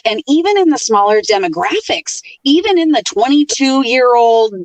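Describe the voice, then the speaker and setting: Woman, middle-aged, radio programmer, casual interview, lively storyteller, dry sound, a bit far from the mic. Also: sits high, moderate pace, dry recording. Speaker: radio programmer and on-air host, podcast guest.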